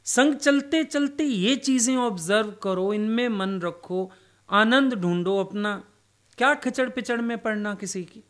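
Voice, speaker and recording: A man's voice: high voice, unhurried, fairly bright tone. A man giving a devotional satsang talk, telling personal stories in a conversational way. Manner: conversational storytelling, acting out quoted dialogue. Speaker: satsang speaker.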